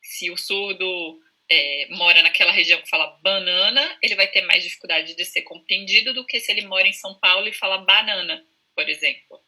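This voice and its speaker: A woman's voice: on the low side, fairly quick, few pauses, bright, forceful tone, rough recording. A woman with a Brazilian Portuguese accent, a speech-language therapist patiently explaining speech over a video call and sounding out examples. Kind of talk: explanatory interview answers.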